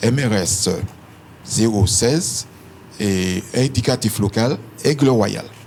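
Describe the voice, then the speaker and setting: Very slow and somewhat breathy, a man's medium-pitched voice shows ordinary pitch variation and long, frequent pauses. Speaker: radio operator for an association. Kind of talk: TV interview.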